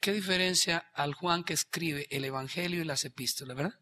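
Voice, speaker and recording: A man pastor, preaching a sermon with animated bursts of shouting and quiet asides. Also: on the high side, fairly quick, a little hiss or hum.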